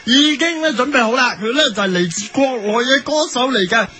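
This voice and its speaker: A man's voice: extremely high pitch, fairly quick, bright, forceful tone, slightly rough. A man with a Hong Kong Cantonese accent hosting a comedic radio sketch, playful and hyped as he counts down a music chart. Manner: playful, switching between host voices, hyped chart-countdown delivery.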